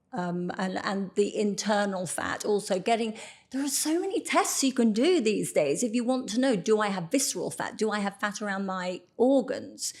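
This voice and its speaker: A woman with an unremarkable speaking voice and a fairly high pitch talks at a moderate pace with lively intonation and hardly any pauses. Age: 50s. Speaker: model and lifestyle influencer. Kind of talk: interview answer.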